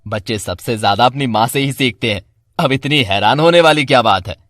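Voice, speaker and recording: A man's voice: mid-range voice, fairly quick, a bit bright, dry recording, studio quality, lightly acted. A man playing a blunt, level-voiced father. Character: firm older father, calm and blunt. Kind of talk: Hindi family drama voice acting.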